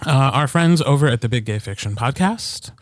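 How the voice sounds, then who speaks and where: A man's voice: medium pitch, animated, normal speed, no room sound. Man co-hosting a casual podcast, dry sound. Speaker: podcast co-host.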